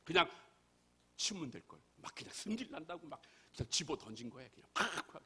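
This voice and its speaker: A man's voice: fairly high pitch, very animated, brisk, creaky, pushed and bright, breathy edge. A male pastor preaching a sermon, emphatic and full of rhetorical questions to the congregation.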